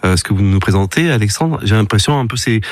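A man's voice: on the low side, animated, fast, no room sound. A man hosting a radio interview, asking friendly questions with many hesitations. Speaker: radio host.

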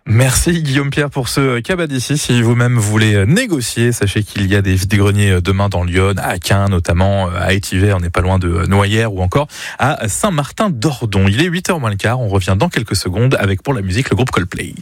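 A man hosting a local morning radio show with brisk, chatty, upbeat patter. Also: fairly low pitch, lively intonation, dry recording, studio quality.

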